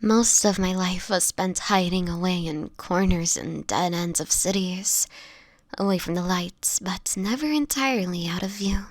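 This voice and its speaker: A woman playing a sickly, homeless vampire in an intimate audio roleplay, speaking softly and haltingly, often in a whisper, with formal old-fashioned wording and gentle melancholy. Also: on the low side, dry recording, close to an everyday voice. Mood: sorrowful, weary. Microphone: close microphone, dry.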